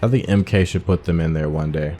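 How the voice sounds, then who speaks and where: A man's voice: deep voice, a little fast, warm tone, faint music behind. A man giving casual, informal playthrough commentary as a gaming video host, thinking aloud as he goes.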